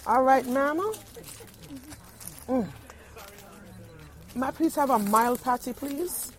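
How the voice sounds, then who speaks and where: A woman's voice: sits high, slow pace. Chatty woman on a radio phone-in. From Brooklyn, New York. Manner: animated, chatty storyteller with playful asides and laughs. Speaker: radio show host. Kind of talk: casual chat while shopping. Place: indoors in a small Caribbean grocery store. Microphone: phone call into a radio show.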